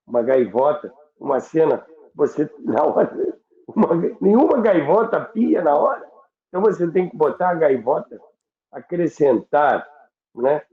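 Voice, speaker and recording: A Brazilian man with a mid-range voice, a guest and radio history commentator, talks unscripted about broadcasting history. He is slow, didactic and halting, often repeating and rephrasing his points. The sound is echoey and narrow, like a phone call.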